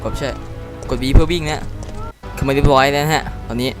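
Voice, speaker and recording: A man giving casual commentary while playing a game. He reacts excitedly and reads the dialogue aloud. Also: mid-range voice, fast, music in the background. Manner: chatty, explains controls to viewers. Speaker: game let's-play commentator.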